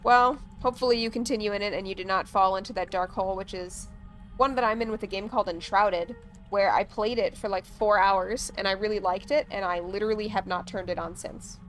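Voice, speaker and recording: A woman's voice: medium pitch, steady tone, a little fast, fairly bright tone, soft background music. A woman chatting casually on a gaming livestream, rambling along with plenty of "like" and "um". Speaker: streamer.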